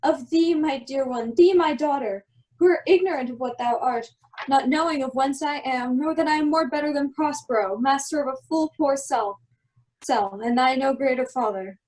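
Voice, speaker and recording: A woman playing a commanding exiled magician and protective father, giving a measured, solemn reading of Shakespearean verse for an amateur radio play. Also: high-pitched, darkish tone, natural voice, poor audio. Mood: soothing, solemn.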